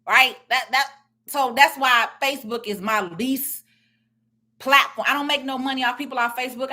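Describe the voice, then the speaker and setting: Woman, loud, confident, emphatic, plain-spoken, bright voice. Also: medium pitch. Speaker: tax and business strategist. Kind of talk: blunt social media commentary.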